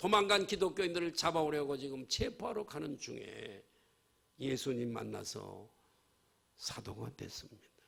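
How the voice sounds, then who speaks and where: Speaking at a fairly slow pace, a man with vocal fry and a bright, sharp tone makes very wide pitch swings and big swings in loudness. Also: fairly high pitch for a man. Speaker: pastor. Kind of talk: sermon. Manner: animated, repetitive preaching style.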